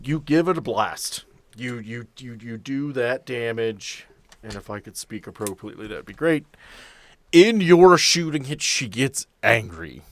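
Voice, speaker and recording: A man serves as game master on a tabletop role-playing podcast, narrating the action and speaking to the players directly in a conversational way. His voice is medium-pitched with a fairly bright tone, recorded dry.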